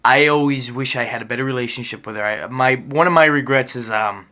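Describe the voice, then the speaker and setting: A man's voice: mid-range voice, fairly quick, pushed and bright. A man giving a candid, casual interview answer in a hesitant, reflective way.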